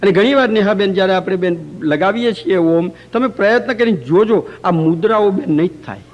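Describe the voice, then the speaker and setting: A man with a high voice, speaking a little fast on a lo-fi recording, leads a religious workshop for a live group in a community center hall. He tells anecdotes with light humor and chants example phrases aloud to show how they sound.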